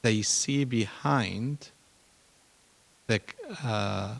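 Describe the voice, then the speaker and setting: A man who is a church archbishop, giving measured, deliberate remarks at a symposium panel. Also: on the low side, creaky. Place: university symposium hall.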